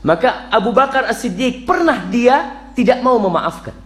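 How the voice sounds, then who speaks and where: A man preaching a lively morning sermon in a mosque, mixing jokes with recited Arabic verses. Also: very high voice, normal speed. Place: mosque hall. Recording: roomy mosque echo.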